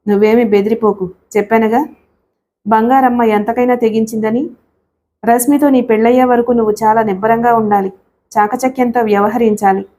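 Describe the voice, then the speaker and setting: A woman's voice: fairly high pitch, steady tone, brisk, mellow, natural voice. A woman voicing a worldly middle-aged man who confidently advises a friend, in a read-aloud story. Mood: confiding.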